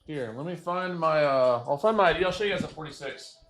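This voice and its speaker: A man's voice: a little high, animated, brisk, a bit bright. A man in his late twenties chatting casually with his live-stream viewers while trading, teasing them and laughing often. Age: 20s.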